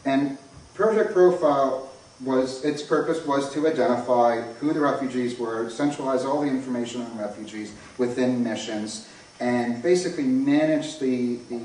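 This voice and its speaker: A man's voice: mid-range voice, darkish tone. A man with a North American accent gives an informal academic lecture, explaining things and often stressing phrases. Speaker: academic conference speaker. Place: echoey indoor lecture room. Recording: echoey room, distant mic, faint noise.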